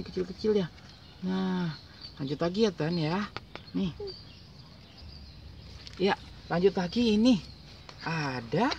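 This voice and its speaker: A man's voice: sits high, gravelly, recorded from a distance. A man reading a picture book aloud to a small child, using exclamations, sound effects and simple repeated phrases. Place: outdoors on a playground swing in a residential park. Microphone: camera a short distance away. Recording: outdoor noise, voice off from mic.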